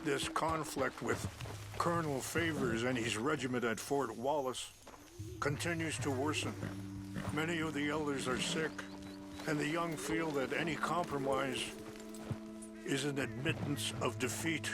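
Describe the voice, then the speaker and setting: An actor playing a dignified, calm middle-aged tribal leader in a video game, speaking in a measured, formal and gentle way. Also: male voice, mid-range voice, over loud music, natural voice. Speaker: tribal chief. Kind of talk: video game cutscene dialogue. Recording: orchestral game score behind.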